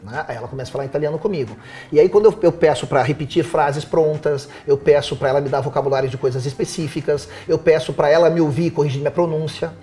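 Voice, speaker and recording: Guest teacher on a podcast, male, rapid delivery, warm mellow tone, faint music bed. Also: fairly high pitch. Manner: animated, advising, rhetorical questions. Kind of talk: casual podcast conversation.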